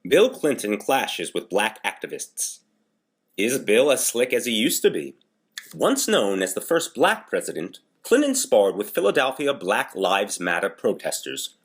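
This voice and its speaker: A man's voice: on the low side, husky. A man reading scripted news briefs as a voice-over artist in an audition.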